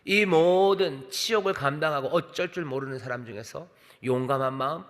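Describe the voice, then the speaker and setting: A male pastor preaching a sermon with lively delivery, acting out the quoted lines. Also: on the high side, moderate pace. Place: large church sanctuary. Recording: church sanctuary with long reverb.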